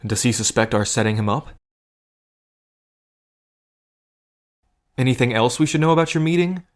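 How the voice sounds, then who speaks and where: A man's voice: medium pitch, lively intonation, fast, close to an everyday voice. A man acting in an audio drama as a protective, wry cousin in a gambling scheme, talking in an earnest, conversational way. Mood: concerned, questioning. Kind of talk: scripted audio drama acting, addressed to the listener.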